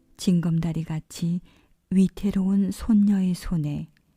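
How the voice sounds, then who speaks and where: Music plays in the background. The speech comes at a very slow pace with fairly even intonation. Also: woman. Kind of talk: essay reading, audiobook narration. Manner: emotional, tearful.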